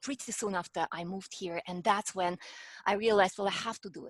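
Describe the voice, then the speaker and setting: A woman with a strong non-native accent talks with ordinary pitch variation, and the sound is dry and close with no echo. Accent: strong foreign. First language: not English. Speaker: speaking coach. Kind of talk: interview.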